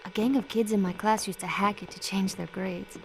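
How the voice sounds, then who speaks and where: A young adult woman plays a friendly, casual young woman in a naturalistic video game style, talking in a breezy, teasing, playful way. Her medium-pitched voice is steady in tone and brisk, lightly acted, with a little hiss or hum on the recording.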